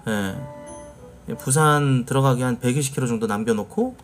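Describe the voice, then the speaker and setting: A man's voice: mid-range voice, normal speed, soft background music. A man from the Jeolla region, a live streamer chatting casually with viewers and telling stories, acting out the lines he quotes. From Jeolla, South Korea.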